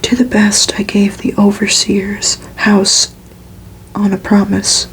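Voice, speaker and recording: A woman reading a story aloud in a hushed, unhurried, soothing ASMR whisper, as if for relaxation. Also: mid-range voice, monotone, poor audio. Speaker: ASMR reader.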